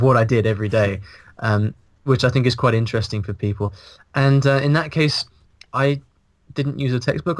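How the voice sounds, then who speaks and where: A man in his thirties, a guest on a video call, talking in a casual, animated way and restarting his sentences as he thinks aloud. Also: medium pitch, dry recording. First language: English. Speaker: guest, language blogger. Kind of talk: casual interview. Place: small room indoors. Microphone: video call, earphones, mic in front.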